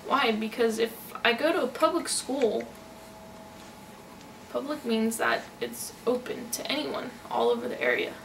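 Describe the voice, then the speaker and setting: High-voiced woman interpreting, gravelly edge, distant mic. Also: pushed and bright. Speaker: sign-to-voice interpreter. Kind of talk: voiced interpretation of a signed personal account. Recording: noisy, distant microphone.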